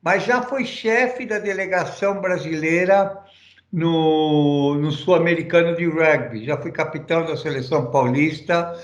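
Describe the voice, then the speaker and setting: A man's voice: a little high, measured pace, reverberant, dull audio. Argentine man, rambling interview answers. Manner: rambling, restarts often, hesitant fillers. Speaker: interview guest. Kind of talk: casual conversational interview.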